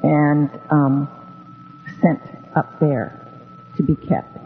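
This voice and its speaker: A woman's voice: sits low, little pitch movement. Woman, meandering storyteller, phone-like narrow sound, long echoing reverb. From Hawaii. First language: Hawaiian. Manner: unhurried, meandering with many ums. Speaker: guest storyteller. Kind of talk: relaxed radio interview storytelling. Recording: tinny phone-like radio with long reverb and faint music.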